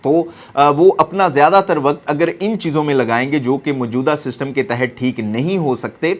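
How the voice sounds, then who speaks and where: A man's voice: mid-range voice, moderate pace. Pakistani man giving earnest political commentary.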